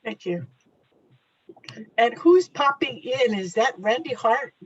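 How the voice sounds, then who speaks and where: A woman's voice: on the high side, animated, slow, husky, muffled recording. Upbeat woman chairing a call. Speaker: meeting chair. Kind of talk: leading a video meeting.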